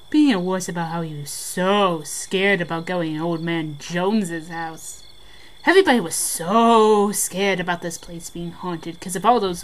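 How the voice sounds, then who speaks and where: A woman's voice: mid-range voice, poor audio. A woman playing a brash young local telling haunted-house tales in an amateur audio drama, casual and dramatic. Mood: teasing nostalgia. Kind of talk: amateur audio drama, scripted ghost storytelling.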